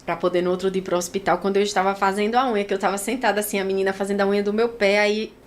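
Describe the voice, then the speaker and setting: A woman's voice: medium pitch, very fast. Brazilian woman telling a vivid personal story. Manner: animated storytelling, acting out other people's lines. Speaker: guest giving a testimony.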